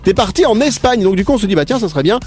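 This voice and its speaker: Man, morning radio host, highly varied intonation, playful teasing banter, music underneath. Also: expressive, rapid-fire, darkish tone. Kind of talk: lively bantering radio chat. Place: radio studio.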